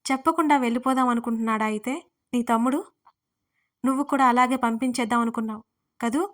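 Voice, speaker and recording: A woman's voice: fairly high pitch, fairly even intonation, fast, close to an everyday voice. A woman voicing a young woman in an audio story, hurt, jealous and weepy, pleading through sniffles. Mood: tearful.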